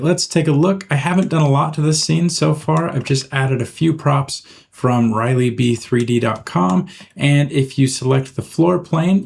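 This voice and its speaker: A man narrating a software tutorial in an informal, step-by-step way, as the host. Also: mid-range voice, creaky. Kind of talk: casual screen-recorded software tutorial narration.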